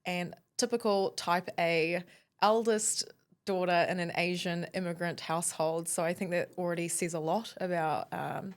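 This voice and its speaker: A woman, chatting as a podcast guest and laughing often. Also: fairly low pitch. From New Zealand. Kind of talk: casual interview chat.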